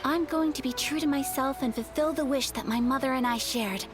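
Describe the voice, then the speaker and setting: A graceful young noblewoman, played by a woman, speaking softly and formally in a fairly high voice. She is polite and a little reserved, with game music clearly under her. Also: brisk, lightly acted. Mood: earnest. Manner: soft-spoken, formal, hesitant at times. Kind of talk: video game voice acting. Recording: game audio with background music.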